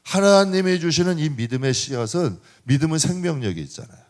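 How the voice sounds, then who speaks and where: A middle-aged man preaching a sermon as pastor, talking to the congregation in a lively, conversational way and asking them frequent rhetorical questions. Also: a little high, fairly quick. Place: church sanctuary.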